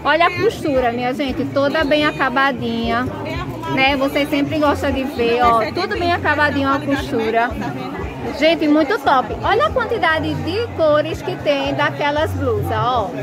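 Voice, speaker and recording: A woman, chatting excitedly as she films herself walking through an outdoor clothing market and asking sellers for prices. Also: high-pitched, a little slow, over loud music. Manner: gushing, chatty, repeats "minha gente". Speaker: shopping vlogger. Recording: crowd noise behind. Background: busy market crowd.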